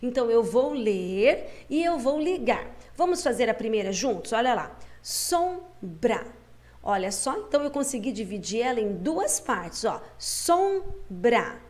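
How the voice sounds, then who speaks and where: A woman teacher, guiding young pupils through a schoolbook lesson, patient and coaxing, slowing down to sound out syllables. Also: a little high, expressive, a little mellow.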